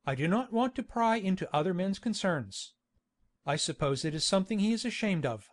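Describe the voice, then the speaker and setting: A man's voice: high voice, animated, fairly quick. A man playing a hearty, pushy country baronet in a dramatised classic novel, blustering and insistent.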